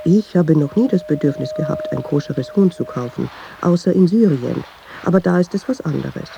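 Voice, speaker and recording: A woman's voice: sits low, lively intonation, normal speed, vocal fry. An actress playing a brooding, wry Jewish woman who muses in short, self-doubting sentences in a literary radio play. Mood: guarded, sceptical. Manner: reflective, short clipped sentences, musing. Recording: dull sound, faint noise.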